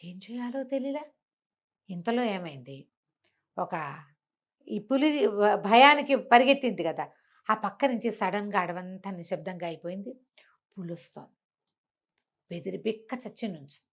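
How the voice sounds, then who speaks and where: A woman telling a story in an animated, conversational way, as an informal oral storyteller. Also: mid-range voice, normal speed, long pauses. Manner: conversational, acts out characters' dialogue.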